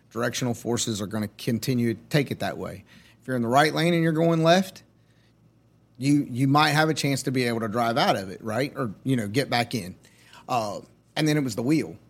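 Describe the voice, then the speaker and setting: This man has a plain, everyday voice at a medium pitch with an American accent. His intonation is lively. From North Carolina. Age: 40s. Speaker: drag racer and TV host. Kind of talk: casual interview conversation.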